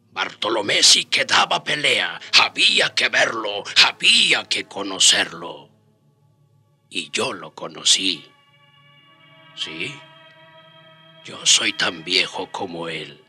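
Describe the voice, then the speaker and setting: An actor in a radio drama playing a proud, weary old indigenous man who speaks in a halting, reflective way. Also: mid-range voice, pushed and bright, husky, exaggerated voice.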